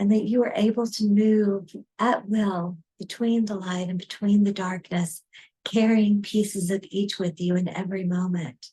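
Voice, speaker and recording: At a moderate pace and with fairly even intonation, the speech has a somewhat breathy quality. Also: woman, medium pitch for a woman. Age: 60s. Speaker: meditation guide. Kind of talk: guided meditation.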